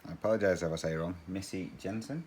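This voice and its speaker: A man's voice: low-pitched, fast talker, darkish tone, a little hiss or hum. A man hosting a cross-stitch channel, chatting casually and rambling while he stitches, often laughing.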